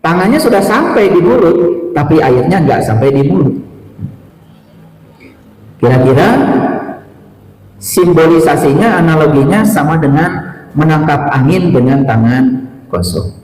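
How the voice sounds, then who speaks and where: Casting: middle-aged male spiritual teacher, slightly high voice, measured and instructive, lecturing in a very reverberant hall. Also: animated, darkish tone, a little hiss or hum. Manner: didactic, deliberate, with rhetorical questions and repetition. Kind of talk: sermon lecture to a live audience. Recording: echoey hall with long reverb.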